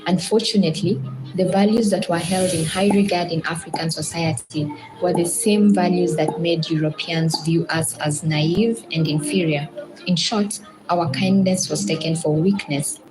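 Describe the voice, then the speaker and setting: A woman's voice: fairly low pitch, steady tone, normal speed, reverberant, rough recording. A woman reading scripted documentary narration as a narrator. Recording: played video with music underneath. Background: music.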